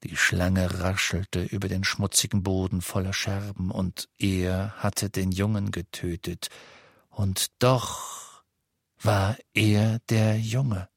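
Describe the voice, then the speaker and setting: A man narrating a fantasy novel in a measured, dark storytelling manner. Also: deep voice, flat delivery, vocal fry, no echo, studio quality. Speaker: audiobook narrator.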